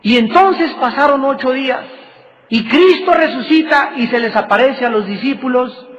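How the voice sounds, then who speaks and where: A man's voice: normal speed, a bit bright. A man preaching a sermon, with emphatic swells and drops in his delivery. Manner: emphatic preaching with dramatic swells in pitch and volume. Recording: reverberant hall, dull lo-fi sound.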